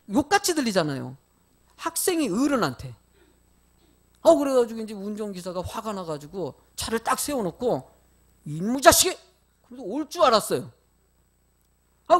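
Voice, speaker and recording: A middle-aged male pastor preaches a sermon, putting questions straight to the congregation and telling folksy, gently funny stories. His voice is very high-pitched.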